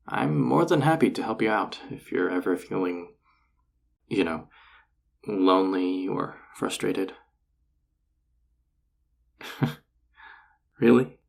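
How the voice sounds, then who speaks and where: A man playing a flirty, self-assured enchanter boss in an audio roleplay, teasing and coaxing the listener in a husky, gravelly voice. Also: lowish voice. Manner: teasing, coaxing, casually confident. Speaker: voice actor. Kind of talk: intimate scripted audio roleplay addressed to the listener.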